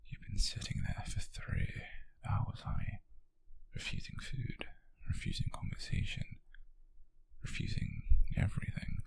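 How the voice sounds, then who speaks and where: Heavily acted, this intimate ASMR roleplay has a British man as a wealthy, possessive nobleman, controlling yet tender, whispering slow, condescending endearments huskily. His voice is mid-range and darkish, and the recording is dry.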